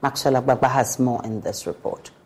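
A woman with a Ghanaian accent reading the news headlines in a measured, formal way. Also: extremely low pitch, steady tone, darkish tone, husky. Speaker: news anchor.

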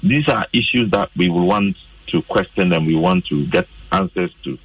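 A Ghanaian man with a deep, husky voice asks a string of pointed questions. He is recorded from some distance, and the sound stays dry. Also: normal speed, a bit bright, no room sound. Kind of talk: questioning remarks.

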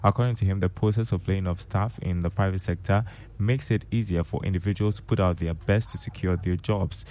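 A man's voice: low voice, fairly even intonation, a little fast, darkish tone. A man with a Ghanaian accent presenting a business news bulletin on the radio.

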